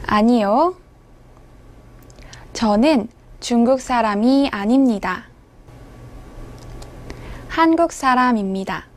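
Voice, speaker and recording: A woman language teacher giving scripted instructional narration, with clear, measured enunciation. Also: on the high side, animated, slight background noise.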